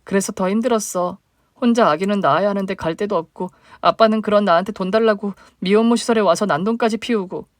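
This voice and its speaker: A woman's voice: mid-range voice, quick pace, no echo, studio quality, natural voice. A woman voicing a hurt young single mother, the younger sister, speaking plaintively in a dramatized story. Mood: weary. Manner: plaintive, emotional questioning.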